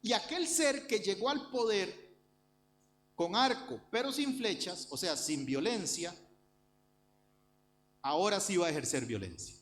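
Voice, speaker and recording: Speaking to his congregation directly, this Costa Rican pastor leans on repetition to drive home his earnest sermon and Bible study. He has a high, somewhat bright voice with lively intonation, and he takes his time, pausing often.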